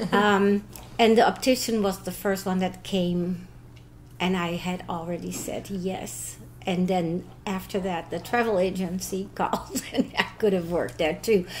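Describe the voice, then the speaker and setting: This woman speaks in a Dutch accent. Her intonation stays fairly even. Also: medium pitch for a woman, fairly slow pace. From Netherlands. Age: 60s. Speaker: guest, host's mother. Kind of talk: interview.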